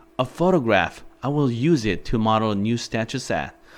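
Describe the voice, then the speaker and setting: With lively intonation and a medium pitch, a man talks in an ordinary speaking voice. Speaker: English teacher. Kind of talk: tutorial.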